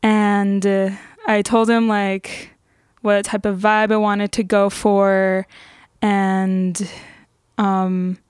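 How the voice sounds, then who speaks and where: Slow-talking young woman, very clear voice. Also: medium pitch, little pitch movement, a little mellow, no room sound, studio quality. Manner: hesitant, frequent "like" filler. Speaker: singer-songwriter guest. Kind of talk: casual interview chat.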